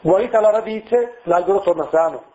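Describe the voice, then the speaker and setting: A man's voice: sits high, fairly quick, dark tone, muffled recording. A middle-aged man, a priest, preaching a sermon in a conversational way, asking his listeners questions and acting out little voices.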